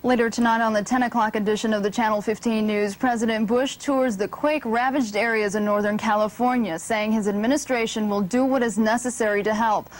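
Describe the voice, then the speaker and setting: A woman with an American accent reading a scripted local newscast in a measured, formal anchor's delivery. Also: on the high side, fairly even intonation, poor audio. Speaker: TV news anchor. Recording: old TV broadcast with background noise.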